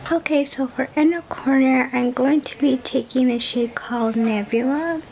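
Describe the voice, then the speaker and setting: A woman's high voice carries fairly even intonation, with noticeable background noise behind it. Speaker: makeup tutorial creator. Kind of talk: casual makeup tutorial talk.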